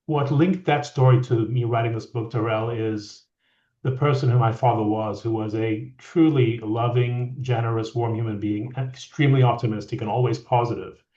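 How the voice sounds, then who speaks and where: Man talking haltingly in an echoey room. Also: medium pitch, steady tone, warm tone. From France. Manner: reflective, halting with many restarts and fillers. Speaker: guest, leadership coach and author. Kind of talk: conversational interview. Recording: echoey, dull lo-fi audio.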